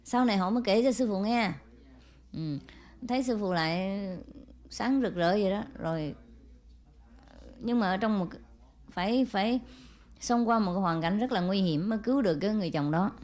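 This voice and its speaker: A woman's voice: mid-range voice, darkish tone. Chatty woman teacher telling a story. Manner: chatty, frequent "ừ" and "à" fillers, asks listeners "hiểu chưa?"; switches to brisk, scolding asides to attendants. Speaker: spiritual teacher speaking to followers. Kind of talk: informal spoken teaching with storytelling.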